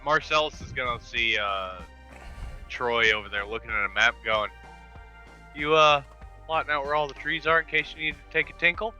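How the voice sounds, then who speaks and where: A man's voice: mid-range voice, normal speed, bright, forceful tone, soft background music. A man bantering casually as a player in a tabletop game podcast.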